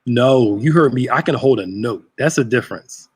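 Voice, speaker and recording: A man's voice: medium pitch, expressive, normal speed, husky. A man in his thirties, a pastor hosting a casual chat show from a church sanctuary, laid-back and joking. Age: 30s.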